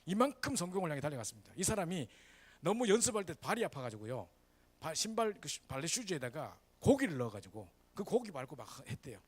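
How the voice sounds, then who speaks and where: Pastor guy, preaching quick, voice bouncing up and down, keeps asking the crowd "right?". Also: fairly high pitch, husky. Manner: lively, animated preaching with frequent "그죠?" asides to the congregation. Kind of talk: sermon. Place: church sanctuary.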